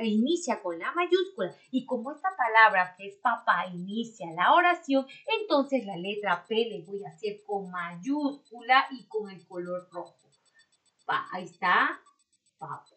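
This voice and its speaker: Peruvian woman, preschool teacher, bright and a bit high, slow patient sing-song class delivery. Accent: Peruvian Spanish. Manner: slow, sing-song sounding out of syllables for small children. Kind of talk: recorded remote class for young children.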